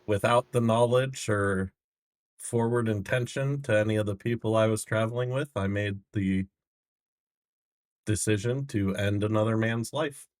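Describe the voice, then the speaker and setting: A man playing a weary, resigned prisoner adventurer in a tabletop game, confessing bluntly and haltingly. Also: fairly low pitch, no room sound, natural voice.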